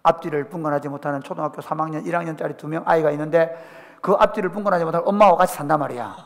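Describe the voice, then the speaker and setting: A middle-aged man with a Gyeongsang Korean accent, preaching a lively sermon and telling stories with humor. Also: a little high, racing. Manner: animated storytelling, acting out people's voices with humor. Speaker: pastor. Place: church sanctuary. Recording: church hall reverb.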